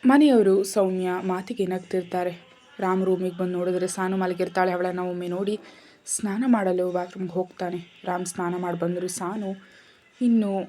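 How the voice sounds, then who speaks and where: A woman storyteller reading a romantic serial story in a steady, even manner. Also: lowish voice, moderate pace. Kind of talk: scripted story narration.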